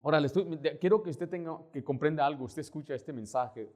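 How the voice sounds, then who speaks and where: A male pastor preaching with emphatic storytelling. His voice sits fairly high for a man, and he punches key words and acts out the people in his stories. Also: fast talker, darkish tone. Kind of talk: sermon.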